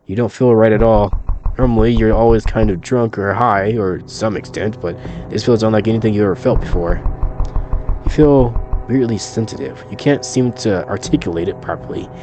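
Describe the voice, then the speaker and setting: A man's voice: lowish voice, moderate pace, warm tone, soft background music. Wry man reading a horror game aloud. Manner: wry, jokey asides and swearing. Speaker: gaming channel host. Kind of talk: reading game text aloud while playing.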